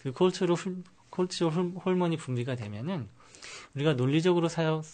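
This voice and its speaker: A middle-aged man, a pastor and family counselor, explaining calmly on a radio talk show with many fillers. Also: on the high side, brisk. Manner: calm explaining, with many fillers and English loanwords.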